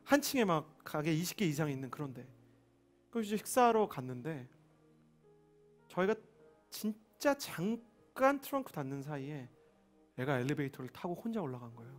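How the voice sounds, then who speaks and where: A young man preaching a sermon in church, telling a personal story in an animated way and acting out the voices of the people in it. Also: on the high side. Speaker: pastor. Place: church service. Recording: faint music behind.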